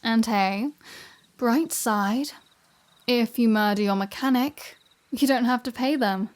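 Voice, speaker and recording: A woman's voice: fairly high pitch, takes it slowly. A woman playing a flirty, sardonic vampire in a scripted ASMR roleplay audio drama, with breezy, sarcastic banter. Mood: wry, breezy.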